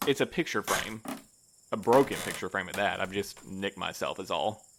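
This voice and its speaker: A man's voice: sits low, animated, normal speed, noisy background. A man playing a prim, reserved, rule-minded boss in an audio drama, speaking formally and with pedantic precision.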